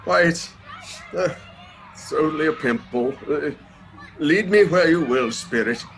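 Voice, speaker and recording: An actor in a radio play voicing a miserly old man softened by memories, hesitant and full of feeling. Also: a little high, measured pace, a little hiss or hum. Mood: flustered. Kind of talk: dramatic radio play acting.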